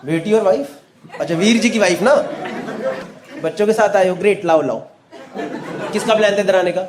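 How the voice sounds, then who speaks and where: A man's voice: high-pitched, moderate pace. A male stand-up comedian doing teasing crowd work, switching between Hindi and English. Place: live comedy venue with laughing audience. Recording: loud crowd and noise from a live show.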